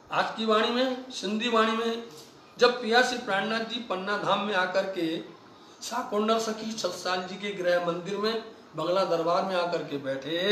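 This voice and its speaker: Man, devotional sermon, slow delivery, chanted verses, distant mic, echoey hall. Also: high-pitched, sharp tone, a little hiss or hum. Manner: chants scripture verses, then explains them with rising fervor; addresses the listeners repeatedly. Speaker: preacher. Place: religious festival gathering.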